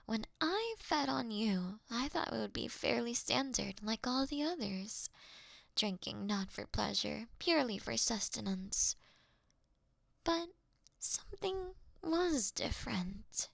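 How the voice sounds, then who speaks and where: A woman's voice: a little high, expressive, creaky, dry recording, exaggerated voice. A woman playing a courteous, doting vampire in a scripted roleplay, speaking intimately and breathily, often slipping into a whisper. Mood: wistful, confiding. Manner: slow, intimate, gently theatrical. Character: female vampire, courteous, doting, wryly confessing to her sleeping prey. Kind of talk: scripted roleplay audio for one listener.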